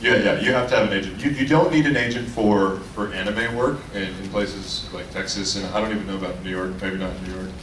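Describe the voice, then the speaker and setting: A man with a fairly low voice talks as a voice actor on a convention panel. He is a casual, animated storyteller handing out advice, heard from a distance in an echoey, noisy room. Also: fairly quick, few pauses. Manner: animated storyteller who acts out quoted lines. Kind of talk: casual anecdotes and advice to an audience. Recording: echoey room, distant mic, clear background noise.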